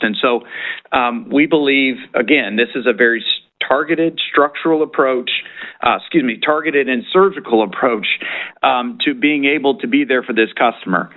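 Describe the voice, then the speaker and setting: A man speaking as a company executive answering questions on an earnings call, in a measured, halting corporate manner. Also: medium pitch. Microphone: conference call line. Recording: narrow-band conference phone line.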